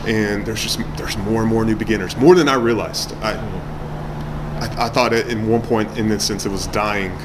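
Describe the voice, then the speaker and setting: Halting, lowish-voiced man in a noisy setting. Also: fairly even intonation. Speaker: pipe channel creator being interviewed. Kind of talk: casual conversational answers.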